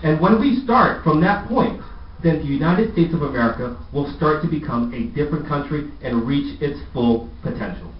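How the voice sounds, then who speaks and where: A man's voice: fairly high pitch, lively intonation, normal speed, slight background noise. Persuasive man addressing a press room. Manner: questioning the audience, persuasive. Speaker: press conference speaker. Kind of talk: speech at a press conference. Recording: echoey room, distant mic, dull lo-fi.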